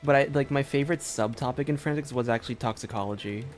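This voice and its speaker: A man's voice: mid-range voice, quick pace, soft background music. A man streaming a game and chatting casually in a rambling, hesitant way. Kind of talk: casual livestream chat.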